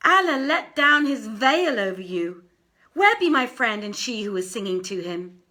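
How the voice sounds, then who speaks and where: A woman voicing an anxious, flattering male jeweler in a storybook, speaking earnestly in ornate old-fashioned phrases. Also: on the high side, measured pace, heavily acted. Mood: pleading. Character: frightened, flattering male jeweler telling his ordeal.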